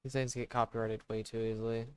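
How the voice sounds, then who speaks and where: A man with a quiet, low-effort voice, chatting casually and haltingly as he live-streams a game. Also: flat delivery, clear, resonant tone, no echo. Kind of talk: casual live-stream chat while gaming. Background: background music.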